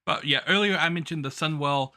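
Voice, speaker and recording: A man's voice: fairly high pitch, fairly quick, pushed and bright. A man casually commentating on game cutscenes and explaining the lore as host. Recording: faint game music behind speech.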